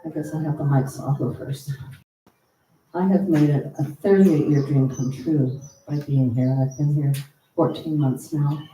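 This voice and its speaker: A low, dark-toned American woman hosts a church service, speaking steadily and without hurry as she gives announcements and welcomes guests with earnest warmth. The mic is distant in a roomy space, with a faint hum.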